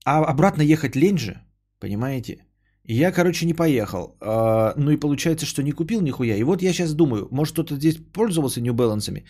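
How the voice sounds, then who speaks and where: A man's voice: on the high side, expressive, fairly quick, mellow. A man hosting a podcast, chatting casually with his live chat in a rambling, profane, worked-up way.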